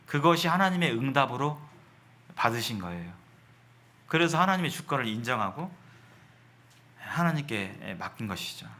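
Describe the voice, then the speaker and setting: A man preaching a sermon. He asks questions and answers them himself, reads scripture slowly and often restarts words. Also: mid-range voice, bright, forceful tone.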